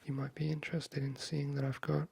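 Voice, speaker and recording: A man speaking softly and breathily, half whispering in a hesitant, friendly ASMR chat into a close microphone. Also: fairly high pitch, little pitch movement, a little fast, vocal fry, slightly rough, dry recording. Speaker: ASMR video creator. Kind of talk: soft-spoken ASMR, friendly chat roleplay.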